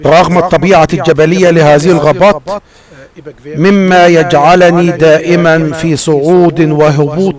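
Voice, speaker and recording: A man narrates a travel documentary. His voice sits notably high, and his phrasing is formal and measured, like a prepared script. A clear bed of many background voices and sounds runs behind him. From Egypt.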